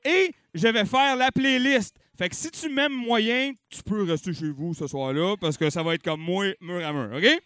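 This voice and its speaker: A man's voice: high-pitched, moderate pace, few pauses, smooth, dry recording, studio quality. A young Québécois man hosting a comedy-night auction, bellowing bids and cracking jokes between them. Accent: Québécois French. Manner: bouncy and animated, bellowing bids, jokey asides. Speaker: auctioneer and comedy show host.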